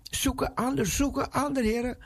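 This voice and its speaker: A man's voice: very high voice, steady tone, moderate pace, voice pushed up. A man voicing a pleading, stammering Moses. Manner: begging, repetitive.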